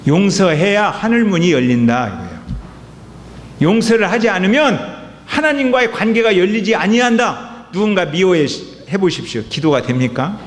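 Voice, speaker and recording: A male pastor preaching with lively, sweeping intonation in a slightly higher voice. His words ring with a long echo through a church sanctuary, over a faint low rumble. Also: moderate pace. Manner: animated preaching, reading scripture aloud, calling for amens. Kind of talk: sermon. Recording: reverberant hall with faint rumble.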